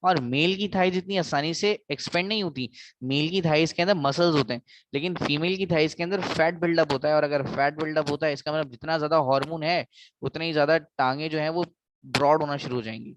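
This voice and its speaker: A man's voice: a little high, fairly even intonation, a little fast, background noise. A man with a South Asian accent giving an explanatory biology lecture, mixing in English and repeating key phrases for emphasis.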